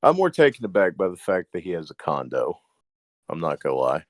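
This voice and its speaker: A man's voice: low voice, sing-song, a little fast, dry recording. A man hosting casual comedic commentary with a dry, wry manner. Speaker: host.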